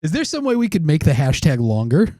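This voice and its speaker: A male podcast co-host in casual comedic chat, bantering playfully with quick jokes and frequent laughs. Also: fairly high pitch, wildly swooping pitch, dark tone, dry recording, studio quality.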